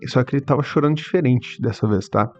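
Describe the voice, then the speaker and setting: A man with a Brazilian Portuguese accent giving an earnest personal testimony, preaching with halting restarts. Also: mid-range voice. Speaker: Christian content creator. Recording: dull lo-fi audio with faint music.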